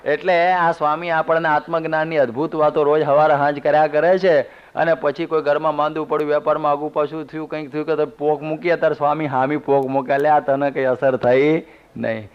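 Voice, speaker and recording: A man's voice: fairly high pitch, level tone, quick pace, clear, resonant tone. A man, a monk, giving a sermon, telling homely stories with humorous asides. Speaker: monk giving a religious discourse. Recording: dull lo-fi CD recording.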